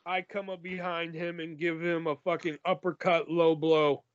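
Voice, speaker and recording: A man's voice: a little high, level tone, normal speed, clean tone, no room sound. A man co-hosting a podcast, calling out his wrestler's moves in a role-play game with a brash, profane manner. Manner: brash, profane, shouts in frustration. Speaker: podcast co-host playing a wrestler. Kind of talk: tabletop-style wrestling role-play, casual chat. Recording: dry, dull lo-fi podcast audio.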